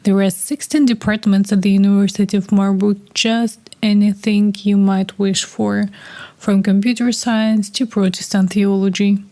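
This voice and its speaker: Mellow-voiced young woman interviewer. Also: medium pitch, little pitch movement, normal speed. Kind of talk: podcast interview, read intro then questions.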